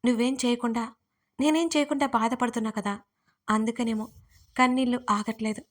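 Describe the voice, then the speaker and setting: A woman voicing a gentle young man who pleads softly, read in an audio story. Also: on the high side, steady tone, a little fast, close to an everyday voice. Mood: pleading. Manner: soft, pleading.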